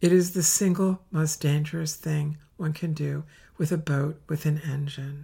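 Somewhat breathy, with a dark, mellow tone and a very deep, low pitch, a woman speaks at a fairly slow pace in a monotone, flat intonation, in a very clean recording with a silent background. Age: 70s. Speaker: spiritual retreat teacher. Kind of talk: retreat talk.

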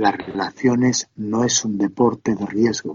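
Very slowly, a man speaks at a fairly low pitch. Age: 50s. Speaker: entrepreneur and author. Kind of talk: interview. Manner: animated.

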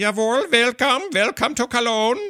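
A put-on character voice delivers lively intonation in a German accent. The sound is dry and close, with no echo. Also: man.

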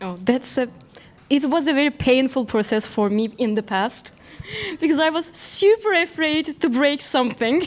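Over noticeable background noise, a woman with a high pitch talks at a moderate pace, her pitch swinging very widely. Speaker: composer and sound designer. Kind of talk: interview.

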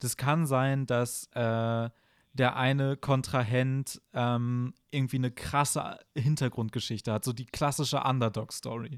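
On a very clean recording with a silent background and a dry, close sound with no echo, a man speaks in an unremarkable speaking voice at medium pitch, with fairly even intonation and a fairly slow pace. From Germany. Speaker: podcast host. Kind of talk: casual chat.

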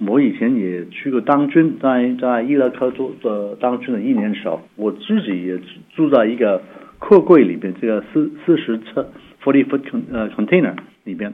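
At a moderate pace, a man talks at medium pitch with lively intonation. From Hong Kong. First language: Cantonese (speaking Chinese). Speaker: political candidate. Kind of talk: interview. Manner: halting, many fillers and repetitions.

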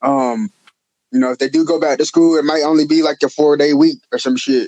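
This man talks at a fairly quick pace, his fairly high pitch showing ordinary variation. The sound is dry and close, with no echo. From North Carolina, Gaston County. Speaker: podcast co-host, hospital worker. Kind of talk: casual chat.

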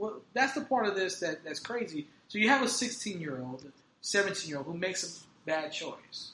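Over noticeable background noise, a man with an American accent projects a raised, high-pitched voice at a moderate pace, with very wide pitch swings. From New York. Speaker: reentry program director. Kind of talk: interview.

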